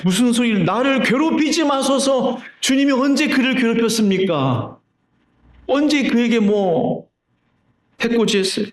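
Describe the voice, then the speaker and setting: A man preaching a sermon as pastor, telling stories and asking the congregation rhetorical questions. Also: sits high. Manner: conversational storytelling with rhetorical questions. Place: church sanctuary. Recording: roomy church reverb.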